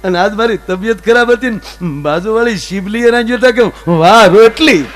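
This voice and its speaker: A man's voice: high voice, normal speed. A man telling folk comedy stories on stage. He acts out both sides of each conversation. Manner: animated storytelling, acts out both sides of dialogues. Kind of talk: Gujarati stage comedy storytelling.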